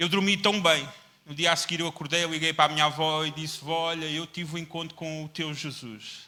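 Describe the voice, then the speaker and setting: Pitched fairly high, a man talks at a fairly quick pace. His loudness swings widely. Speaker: pastor. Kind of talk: sermon. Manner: fast.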